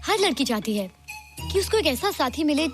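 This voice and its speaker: An actress playing a sensible young woman who explains things patiently and gently, in film dialogue. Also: high voice, big pitch swings, moderate pace, faint music behind. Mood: gentle.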